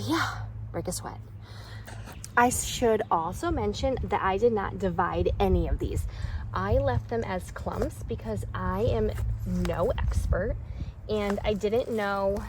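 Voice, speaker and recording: Against a noisy background, a woman with a mid-range voice chats through a gardening vlog filmed on her phone. She walks her backyard showing plants, getting out of breath while working.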